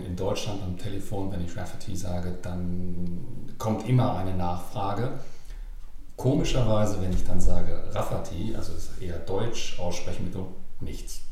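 There is audible room echo as a man speaks at a moderate pace. His fairly low voice is somewhat breathy, with fairly even intonation. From Germany and England, bilingual upbringing. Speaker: guest, half-English expat. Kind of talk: casual interview. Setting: studio, table microphone.

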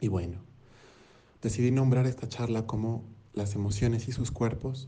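Against audible room echo, a man speaks in a somewhat breathy voice with fairly even intonation. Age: 20s. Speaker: independent scholar, gender theory. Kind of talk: reading aloud a lecture.

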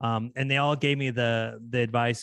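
A man with a Midwestern American accent speaks at medium pitch and a moderate pace, his intonation fairly even, in a dry, close recording with no echo and a quiet background. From US Midwest, St. Louis area. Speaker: podcast host and voice actor. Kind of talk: casual interview chat.

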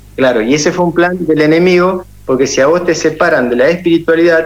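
Over music in the background, a man with a fairly high pitch talks at a fairly quick pace with ordinary pitch variation. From Argentina, Entre Ríos (Paraná). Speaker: political activist and therapist. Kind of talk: radio interview.

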